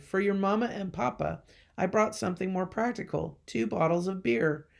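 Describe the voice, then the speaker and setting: A raspy, warm voice at a middle pitch, put on as a character. It moves at a moderate pace. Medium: read story. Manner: warm, protective.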